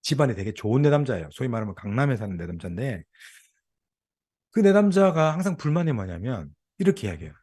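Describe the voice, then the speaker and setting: A man's voice: mid-range voice, very animated, fast, a little mellow, breathy edge. A middle-aged man giving a lecture to counselors, conversational and often checking in with the audience with questions.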